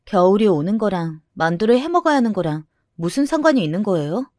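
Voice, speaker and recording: A woman's voice: medium pitch, very animated, quick pace, darkish tone, no echo, clean studio sound, close to an everyday voice. A sulky stubborn teenage girl, as a woman reads her. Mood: defiant. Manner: sulky, defiant.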